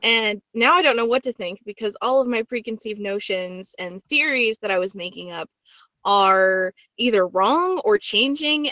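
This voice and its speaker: A woman with a fairly high voice hosts a casual podcast chat. She rambles informally and gushes freely. The recording is a little dull and lo-fi. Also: sharp tone, dry recording. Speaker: podcast guest host.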